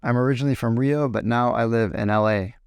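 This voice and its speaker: A man's voice: medium pitch, no echo, close to an everyday voice. A man playing a friendly airline passenger. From Brazil. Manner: slow, clearly repeated sentences. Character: friendly male airplane passenger, adult. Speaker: role-play partner in a practice dialogue. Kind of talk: acted example dialogue for learners.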